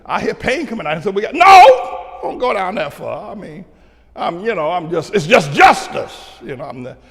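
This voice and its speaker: Older Southern preacher swinging into shouts. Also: male voice, very animated, moderate pace. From North Carolina. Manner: swings from low asides to shouted outbursts, chuckling. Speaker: pastor. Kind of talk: preaching commentary to a broadcast audience. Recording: long hall reverb.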